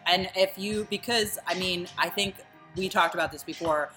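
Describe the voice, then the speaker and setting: Irreverent low-voiced woman with a Delco accent. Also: normal speed, over music. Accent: Delco, Philadelphia suburbs. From Delaware County, Pennsylvania. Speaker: podcast host. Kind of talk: casual chat.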